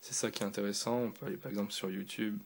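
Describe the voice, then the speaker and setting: A man's voice: on the low side, little pitch movement, rapid-fire, vocal fry, breathy edge. A man giving a loose, rambling product review, talking casually with fillers and restarts. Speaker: tech reviewer.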